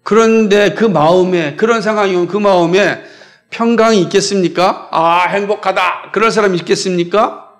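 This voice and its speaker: Male pastor from South Korea, high-pitched, emphatic sermon delivery, keeps quizzing the congregation. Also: brisk. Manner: emphatic, poses repeated questions to the congregation.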